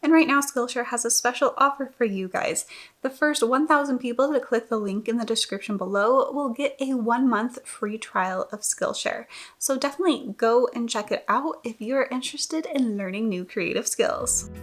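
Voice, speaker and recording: A woman's voice: on the high side, normal speed, a bit bright. A young woman vlogging casually, chatty and self-deprecating, often laughing at herself. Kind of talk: casual vlog talk.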